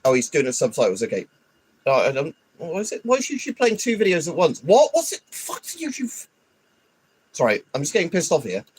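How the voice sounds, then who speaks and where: A man's voice: fairly high pitch, wildly swooping pitch, brisk, husky. A man rambling and grumbling through a casual live stream, stuffy with hay fever and swearing often. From United Kingdom. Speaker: livestreamer.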